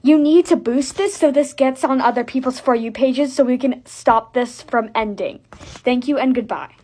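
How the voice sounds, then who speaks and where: A woman's voice: high voice, normal speed, a little mellow. A woman speaking as a fan, giving an earnest, emphatic and admonishing appeal with repeated instructions. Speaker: fan making an appeal to other fans. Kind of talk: earnest public service plea to camera.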